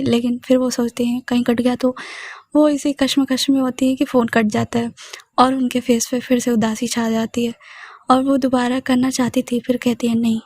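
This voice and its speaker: A woman's voice: on the high side, darkish tone, no echo. Woman telling a story, casual and chatty. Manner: chatty, with conversational fillers.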